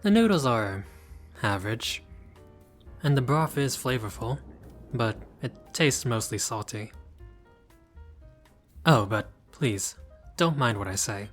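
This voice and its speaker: A man's voice: medium pitch, animated, takes it slowly, pauses often, a bit bright, faint music behind. A man playing a haughty but friendly vampire lord in a roleplay audio, speaking in a formal, fussy, politely pompous way. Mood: gracious, refined. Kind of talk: scripted roleplay audio addressed to the listener.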